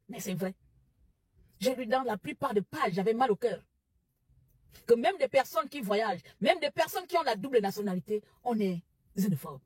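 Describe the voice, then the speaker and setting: A woman from Gabon with a Gabonese French accent, delivering an impassioned opinion monologue that rises to loud rhetorical outbursts. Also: mid-range voice, breathy edge, no echo. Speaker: commentary vlogger.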